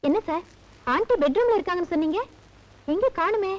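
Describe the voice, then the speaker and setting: A woman's voice: very high-pitched, expressive, brisk. An actress playing a polite young female college student visiting her teacher, in film dialogue. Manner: polite, then distressed. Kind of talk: 1980s Tamil film dialogue. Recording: dull film soundtrack with music.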